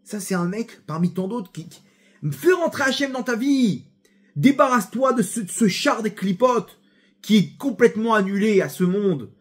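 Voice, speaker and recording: Animated high-voiced man preaching. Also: moderate pace, slightly rough. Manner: animated, storytelling, addresses listeners directly. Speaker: rabbi teacher. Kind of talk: sermon-style Torah class.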